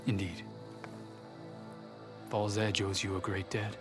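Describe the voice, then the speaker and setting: An actor playing a stern, distrustful tribal warrior in a video game, speaking bluntly and formally. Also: male voice, fairly low pitch, level tone, slow. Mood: solemn, grudging respect. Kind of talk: video game cutscene acting. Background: music.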